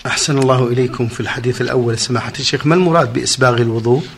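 A man's voice: mid-range voice, steady tone, vocal fry, fairly bright tone, a little hiss or hum. Formal Standard Arabic male radio presenter. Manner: measured, formal, deferential. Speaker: radio program host and text reader.

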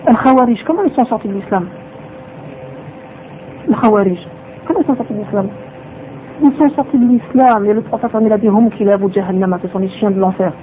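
A woman's voice: mid-range voice, a little fast, long pauses, dark tone, slight background noise. A woman teaching a religious lesson who repeats her phrases and asks rhetorical questions, on a dull lo-fi recording.

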